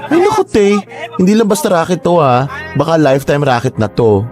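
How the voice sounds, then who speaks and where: A man's voice: fairly high pitch, sing-song, fairly quick, over music. A man playing a flamboyant, scheming young gay man who is boastful and playful, with a campy, teasing, theatrical delivery. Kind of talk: radio drama acting.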